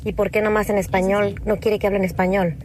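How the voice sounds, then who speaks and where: A woman's voice: medium pitch, little pitch movement, a little fast, darkish tone, a little hiss or hum. Woman, radio caller, indignant, argumentative, faint ambience.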